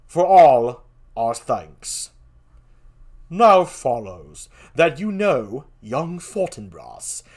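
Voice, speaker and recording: A man voicing a solemn, stately king in a theatrical Shakespearean style, declaiming in measured phrases with swelling emphasis. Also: on the high side.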